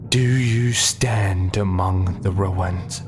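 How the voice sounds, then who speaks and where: A man voicing a masked cult leader who questions a dead body in a low, half-whispered voice. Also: very slow. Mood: menacing. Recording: distant with music behind.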